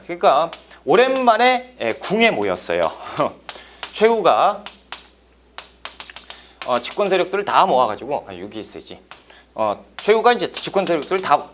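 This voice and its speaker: A man's voice: on the high side, slight background noise. A man teaching a history exam course in a playful lecture, telling jokes and adding sound effects. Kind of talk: lively lecture with acted-out scenes.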